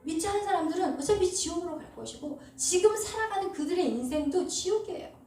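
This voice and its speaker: High-voiced woman pastor preaching in an echoey hall. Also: mellow, a little hiss or hum. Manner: emphatic preaching with call-and-response. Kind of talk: sermon. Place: church sanctuary. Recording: echoey hall, distant mic.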